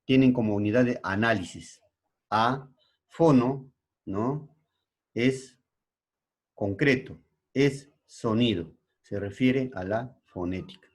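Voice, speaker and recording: A husky male teacher with a Peruvian Spanish accent explains a lesson at a slow, unhurried pace. He often stops to check with his students, and his voice sits at an ordinary middle pitch. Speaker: secondary school language teacher. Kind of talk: classroom lesson.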